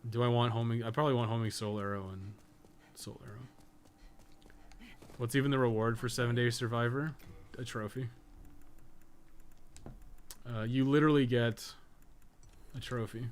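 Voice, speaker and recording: A man's voice: medium pitch, fairly even intonation, normal speed, pauses often, a little hiss or hum. A man giving casual, rambling gameplay commentary on a stream, swearing and muttering asides to himself as he plays. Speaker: podcast co-host playing a game on a live stream.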